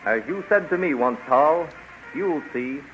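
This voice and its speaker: A man's voice: a little high, animated, measured pace, faint music behind. An actor playing a bold, defiant fighter who taunts his enemy in declamatory 1930s radio serial style, on an old recording. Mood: taunting. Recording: dull, faintly noisy 1930s radio recording.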